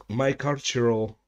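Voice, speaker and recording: A Hungarian man hosts a casual chat hangout on a livestream from home, rambling to viewers, restarting sentences and swearing freely. His voice is medium-pitched with a sharp tone.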